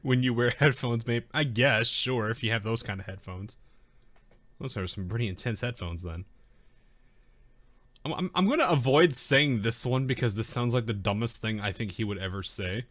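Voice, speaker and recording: A man's voice: medium pitch, animated, normal speed, a bit bright. A man streaming a game with casual commentary as he reads along. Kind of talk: casual gameplay commentary and dialogue reading.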